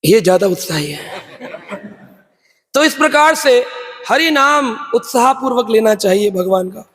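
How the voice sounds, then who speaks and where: A man delivers a devotional sermon with a strikingly high voice. He speaks emphatically, throws rhetorical questions at his listeners, and breaks into sung verses and loud chanting. His voice rings with the long reverb of a large temple hall. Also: animated, measured pace. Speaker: preacher.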